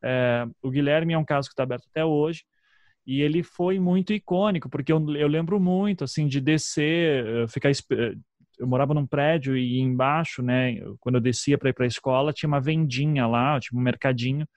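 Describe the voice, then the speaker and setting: A storytelling podcaster in his thirties from Curitiba, southern Brazil, speaks with a Paraná accent as an interview guest, conversational and reflective, halting, interrupting himself and restarting sentences with frequent "né" tags. His medium-pitched voice is a little mellow, in a muffled recording with no room sound.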